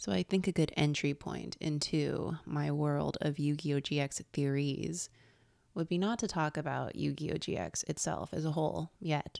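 A soft-spoken woman talks against a quiet background. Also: moderate pace, dry sound with no echo. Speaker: anime video essayist. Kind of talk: unscripted video essay. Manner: hushed, soft-spoken. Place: home room. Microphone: handheld.

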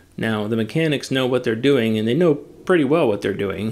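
A man speaks at a fairly quick pace. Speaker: ride mechanic storyteller. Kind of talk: casual explanatory vlog chat. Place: home room. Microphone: earbuds.

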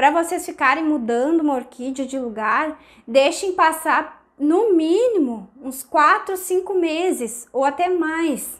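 Pitched high, a woman speaks with lively intonation in a very clean recording with a silent background. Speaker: orchid-growing YouTuber. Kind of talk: tutorial. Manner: casual.

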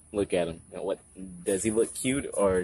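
Speaking at a fairly slow pace, a man gets his words out. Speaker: YouTuber vlogger. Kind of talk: casual vlog while walking a dog. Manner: casual, chatty, animated.

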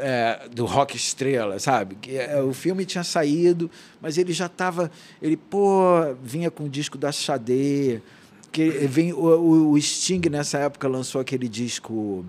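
A man speaks with a fairly high pitch in an unremarkable speaking voice. His pace is fairly slow, with ordinary pitch variation. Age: 60s. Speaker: rock guitarist. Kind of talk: casual interview.

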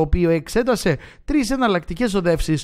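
Very wide pitch swings from a man, captured in a very clean recording against a silent background. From Greece, Soufli in Thrace. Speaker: company director. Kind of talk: interview statement. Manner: formal.

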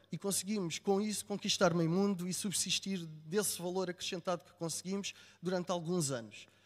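Against a quiet background, a man speaks in a high pitch. His pace is fairly quick. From Macau. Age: 30s. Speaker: tech entrepreneur, public speaker; public speaker. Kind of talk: short stage talk. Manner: fast. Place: stage. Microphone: handheld.

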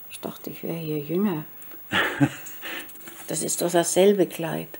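This woman talks at a moderate pace in a fairly low voice. Her intonation stays monotone and flat. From Germany. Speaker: contemporary witness. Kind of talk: interview answer. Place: home room.

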